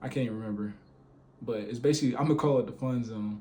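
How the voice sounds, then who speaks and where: Mumbling at a fairly quick pace, a man speaks at medium pitch with fairly even intonation and a dark, mellow tone. Audible room echo surrounds his voice. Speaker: Air Force trainee vlogger. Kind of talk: casual vlog monologue. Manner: unscripted, rambling, mumbling.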